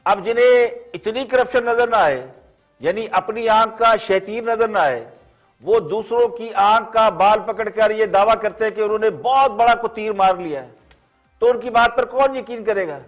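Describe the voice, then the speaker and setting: A man's voice: high voice, moderate pace, soft background music. A man hosting a TV talk show, giving sardonic opinion commentary full of proverbs and lists.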